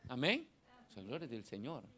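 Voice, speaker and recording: In a church hall, a middle-aged man preaches a sermon with a thin, nasal, mid-range voice, moving from shouting to quiet asides. He speaks in a sing-song way at a moderate pace.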